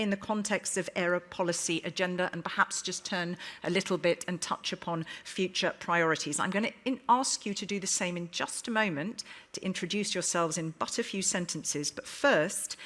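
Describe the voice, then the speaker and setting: A woman's voice: fairly low pitch, a bit bright. A woman moderating a live conference panel in a chatty, emphatic, bantering way, addressing guests and audience informally.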